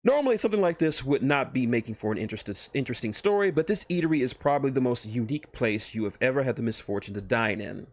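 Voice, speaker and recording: A man talking casually and reading a story on a livestream, informal and halting, often correcting himself. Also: medium pitch, lively intonation. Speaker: streamer and fan fiction writer.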